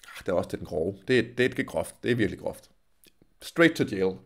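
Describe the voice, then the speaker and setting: A man's voice: fairly low pitch, very animated. A man reading jokes aloud from a page, stumbling over words and adding wry asides of his own. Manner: stumbling reader, wry comments. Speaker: video creator.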